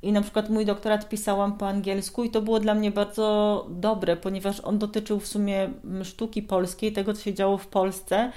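A woman from Poland, a university lecturer, answering interview questions thoughtfully with hesitant pauses. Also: medium pitch, level tone, dark tone.

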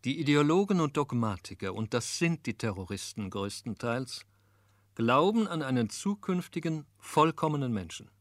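Male narrator, medium pitch, formal measured delivery of scripted radio feature, dry studio. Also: animated, no room sound.

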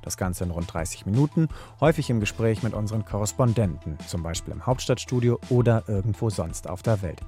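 Low-pitched man presenting a podcast promo. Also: expressive, a little fast, hardly any pauses, warm tone. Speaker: podcast host, radio presenter. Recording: music under the voice. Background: music.

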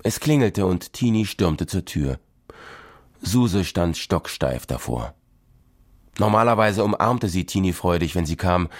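A man narrating a children's radio play, reading in a lively, expressive way at a close mic. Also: deep voice, no room sound.

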